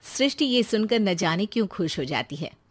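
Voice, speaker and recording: A woman narrating a cartoon story in a plain, steady storytelling voice. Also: medium pitch, normal speed.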